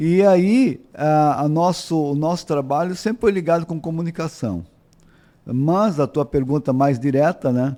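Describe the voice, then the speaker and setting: Speech comes at a fairly slow pace. The tone is dark and mellow. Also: man, fairly high pitch for a man, ordinary pitch variation. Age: 60s. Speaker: city culture secretary. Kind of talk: radio interview. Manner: halting, repeats words.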